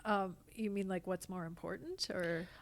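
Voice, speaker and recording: A woman's voice: lowish voice, fairly even intonation, normal speed. A woman speaking as a podcast guest, explaining her thoughts in a casual, thoughtful conversational way. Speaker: podcast guest, stage actor.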